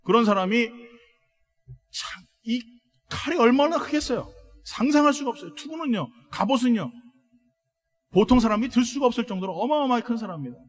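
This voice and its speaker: High-voiced emphatic preaching man. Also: lively intonation, a little fast, long pauses. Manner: emphatic, swings from soft to loud proclamations; calls for congregation responses. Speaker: pastor. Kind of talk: sermon.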